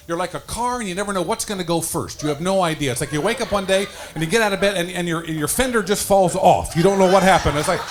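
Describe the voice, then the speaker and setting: A man's voice: sits high, fast, hardly any pauses, background noise. A man doing a stand-up set, stammering and repeating words while laughing at his own jokes. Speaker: stand-up comedian.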